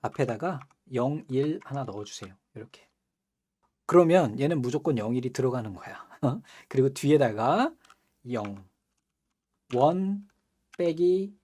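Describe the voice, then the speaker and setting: A young man with a mid-range, mellow and warm voice full of rise and fall teaches a computer skills course in a screen-recorded software tutorial. He's chatty, laughs often and keeps asking his students quick rhetorical questions, while keyboard clicks sound in the background.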